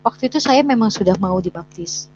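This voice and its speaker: A woman's voice: mid-range voice, expressive, brisk, darkish tone. A woman sharing her personal testimony as a story, hesitant with many fillers and restarts, sometimes voicing what people said. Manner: acts out quoted dialogue in her story. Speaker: guest sharing a conversion testimony. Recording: dull lo-fi recording with faint hum.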